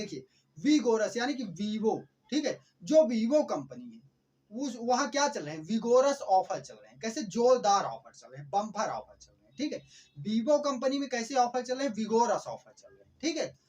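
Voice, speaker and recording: Male vocab teacher, lively up-and-down delivery, quizzes himself constantly. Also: extremely high pitch. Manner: asks himself quick questions and repeats each word. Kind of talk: explanatory vocabulary lesson.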